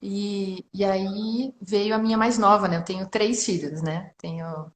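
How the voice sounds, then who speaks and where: A woman's voice: mid-range voice, fairly even intonation, measured pace, slight background noise. A woman in her thirties from Brazil, telling a personal story in a casual, emotional way with frequent tag questions. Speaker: entrepreneur guest sharing testimony. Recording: roomy echo.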